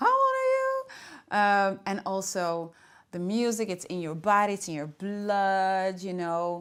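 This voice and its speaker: Speaking at a fairly slow pace, a woman uses a medium pitch in a normal speaking voice. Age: 40s. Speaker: actress. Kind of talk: interview.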